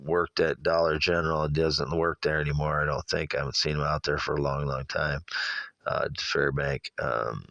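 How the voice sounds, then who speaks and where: A middle-aged man with a Midwestern American accent and a gravelly, allergy-congested voice, rambling through a personal monologue in a halting, repetitive way. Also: very deep voice, little pitch movement, a bit bright, no echo. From Iowa, United States. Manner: halting, repetitive, self-correcting.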